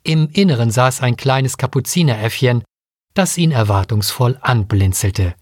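A man's voice: mid-range voice, expressive, moderate pace, no room sound. Guy reading a storybook, middle voice, dry close mic. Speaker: audiobook reader. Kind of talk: scripted narration.

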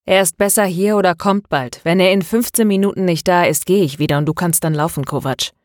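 A woman's voice: on the low side, a little fast, darkish tone, no room sound, clean studio sound, natural voice. A woman voicing a hulking, short-tempered male boxer who snaps irritably, in an audiobook. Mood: irritable. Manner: snapping, irritable.

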